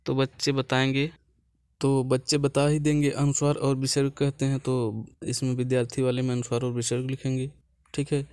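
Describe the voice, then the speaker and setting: A man's voice: mid-range voice, completely flat delivery, moderate pace, darkish tone, smooth, no echo. Patient male teacher, dry close sound. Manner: patient, repeats points, says "ठीक है" often. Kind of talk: explaining a lesson plan step by step.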